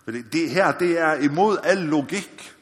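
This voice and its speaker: A missionary preacher from the Faroe Islands delivers a sermon in a church or meeting hall, earnest and searching, often checking in with listeners by repeating "ikke også?" before building to loud exhortations. His voice is on the high side and expressive, and the recording carries long hall reverb.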